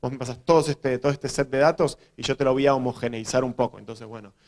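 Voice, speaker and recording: An Argentine man speaks quickly in a mid-range voice, a programmer giving a conference talk. His delivery is loose and conversational, full of fillers, self-corrections and restarts as he explains things to an audience of journalists. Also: mid-range voice, steady tone, a little mellow. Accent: Argentine Spanish. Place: university event hall.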